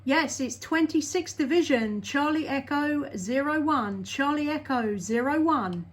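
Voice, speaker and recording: A woman's voice: sits high, expressive, unhurried, a little hiss or hum. A woman from the southeast of England with a southern English accent, making cheerful radio contacts and spelling out her callsign. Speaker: CB radio operator. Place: home radio station.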